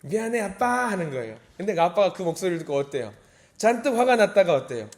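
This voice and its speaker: A male pastor delivers a morning sermon in a fairly high voice with a lively, wide-ranging pitch. He is earnest and turns emphatic when he acts out the prayers of the faithful. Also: quick pace. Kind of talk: dawn service sermon.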